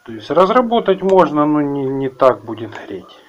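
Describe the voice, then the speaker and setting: A man's voice: a little high, sing-song, highs cut off. A man with a Ukrainian-accented Russian voice, talking casually through a car repair while filming his own hands under the hood. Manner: unhurried, rambling, plain-spoken. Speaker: car repair video host. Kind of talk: casual how-to vlog. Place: outdoors under a car hood, then a workshop. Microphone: handheld camera, filming his own hands.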